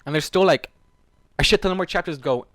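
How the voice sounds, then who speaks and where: A man's voice: sits high, fast, a bit bright, dry recording, clean studio sound. A man hosting a fan fiction reading, breaking the story with heated, exasperated, sweary commentary and stumbling over words. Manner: emotional, exasperated asides, stumbles when reading.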